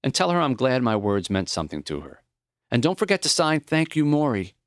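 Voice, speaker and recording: Man voicing an old professor, gentle, reflective, earnest, animated intonation, audiobook dialogue, dry sound. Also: mid-range voice, fairly quick, dry recording, pitched above the performer's own voice, close to an everyday voice. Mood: gracious. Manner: earnest, philosophical, plain-spoken.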